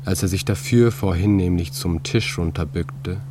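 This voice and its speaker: Calm, deep-voiced male narrator. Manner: calm, measured, with many pauses. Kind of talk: scripted literary narration. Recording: steady hum and drone under the voice.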